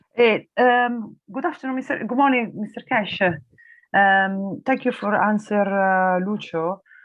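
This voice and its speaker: A woman in an Italian accent speaks at a fairly slow pace and fairly high pitch, with ordinary pitch variation. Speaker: interpreter for participant. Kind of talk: online workshop Q&A. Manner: halting, many fillers.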